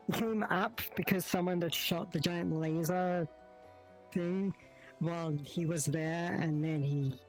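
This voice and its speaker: A man's voice: fairly high pitch, rough recording. Man, casual roleplay chat, rambling retelling, background music.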